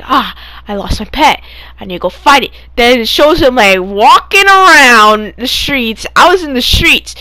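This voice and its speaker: Young female storyteller, higher-pitched, dry recording, recounts dreams in a puzzled, halting, casual manner. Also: pushed and bright, no echo, rough recording. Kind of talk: casual story time over gameplay.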